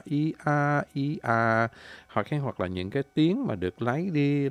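A man giving an informal spoken lecture. He politely addresses his listeners and fills pauses with drawn-out "à" sounds. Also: medium pitch, creaky, no room sound. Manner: frequent drawn-out "à" fillers between phrases. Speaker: presenter explaining folk singing.

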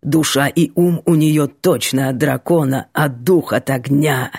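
A gruff, sly male cook, put on by a woman reading a storybook. He speaks low and husky, with a grumbling, knowing tone. The sound is dry and close. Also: measured pace, a little mellow, dry recording, full character voice. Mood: wry. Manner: grumbling, then wry.

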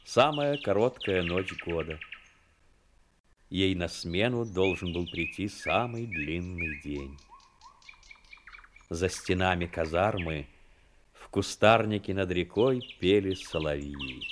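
A man narrating a Soviet war radio drama in a dramatic, measured literary storytelling manner. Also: sits low, expressive, background noise.

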